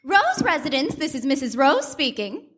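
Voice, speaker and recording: Woman playing a very high, excitable housewife. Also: moderate pace. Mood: chirpy, excited. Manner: theatrical, breathless exclamations and gasps. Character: excitable, melodramatic 1960s housewife and mother, sweetly naive. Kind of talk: staged radio play parody.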